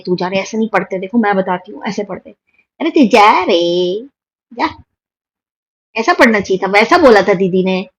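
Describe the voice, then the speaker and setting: Indignant high-voiced Indian woman. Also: rough recording. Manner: indignant, scolding, mocking quotes. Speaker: reaction video host. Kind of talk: heated commentary on influencer drama.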